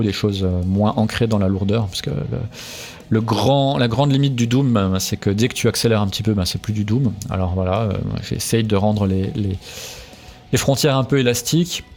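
A man's voice: on the low side, darkish tone. A man being interviewed about his music, talking casually with many hesitations and restarts. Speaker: musician guest.

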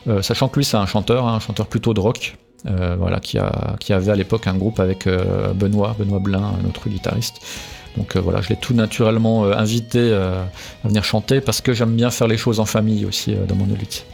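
A man with a low, gravelly voice talks through his band's records in a casual interview. He hesitates a lot, filling gaps and restarting phrases. Faint music plays under the talk. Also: steady tone, a little fast, darkish tone. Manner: hesitant, many fillers and restarts. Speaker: musician guest.

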